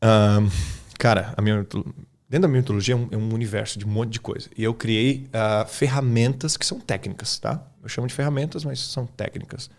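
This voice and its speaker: A man's voice: lowish voice, fairly even intonation, brisk, gravelly, darkish tone. A man from Brazil, an English teacher on a podcast, explaining his method in an informal way and often checking that the listener follows. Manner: informal, keeps checking in with "tá?" and "cara". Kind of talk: casual explanatory podcast talk.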